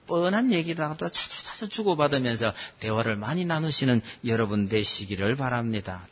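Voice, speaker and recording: Man, pastor, sermon, lively intonation, breathy, reverberant hall. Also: medium pitch. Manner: animated, rhetorical questions, swings from loud to soft.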